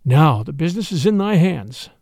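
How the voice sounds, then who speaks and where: Man voicing a gentle male panther, soft, low, calm, dry recording. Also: moderate pace, dry recording. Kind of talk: storybook reading.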